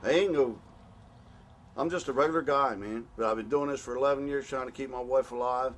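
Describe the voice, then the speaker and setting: A middle-aged American man speaks in a plain, mid-pitched voice, blunt and worked up. He pleads and scolds by turns, stumbling over words and starting again, like a regular guy making a heated appeal. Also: brisk, slight background noise. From United States. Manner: blunt, angry, pleading, with many restarts. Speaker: patient advocate. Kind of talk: impassioned spoken appeal.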